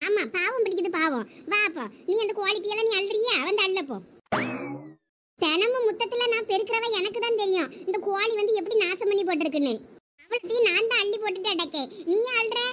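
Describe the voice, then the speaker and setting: A woman with a Thoothukudi Tamil accent scolds and bickers in a village comedy skit. Her voice sits very high, and a faint hiss of outdoor ambience lies under it. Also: a bit bright. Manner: scolding, quick-tempered banter. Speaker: comedy sketch creator.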